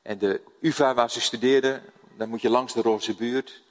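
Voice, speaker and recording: A man's voice: mid-range voice, normal speed. An older Dutch man preaching a sermon, telling stories and putting questions to his congregation. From Netherlands. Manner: lively storytelling, asks the audience questions. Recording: long hall reverb.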